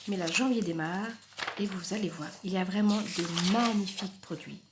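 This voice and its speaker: A woman's voice: mid-range voice, normal speed, noisy background. Chatty woman presenting craft products. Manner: chatty and enthusiastic, often trailing into soft asides. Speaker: independent crafting product demonstrator. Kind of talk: casual product presentation vlog.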